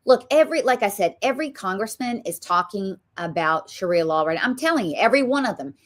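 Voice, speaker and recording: A woman's voice: medium pitch, animated, quick pace. A woman with a Southern US accent, hosting a political talk show and speaking emphatically, with frequent ums. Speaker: show host.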